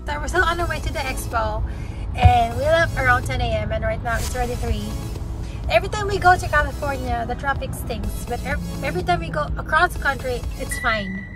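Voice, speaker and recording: High-voiced young woman in a car vlog. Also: expressive, brisk. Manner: short, shy, slightly anxious replies. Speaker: vlogger. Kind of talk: casual vlog chat. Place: inside a car. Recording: loud background music.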